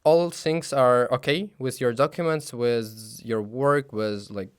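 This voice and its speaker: A young man from Belarus, a student answering interview questions in halting with many fillers. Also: mid-range voice, smooth, no echo, studio quality. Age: young adult. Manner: halting non-native English with many fillers.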